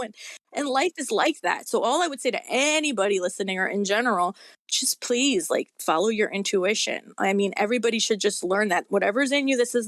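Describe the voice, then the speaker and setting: A woman's voice: medium pitch, fairly bright tone, no room sound, studio quality. A woman chatting casually as an interview guest, talking in an earnest, rambling and emphatic way. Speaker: guest author.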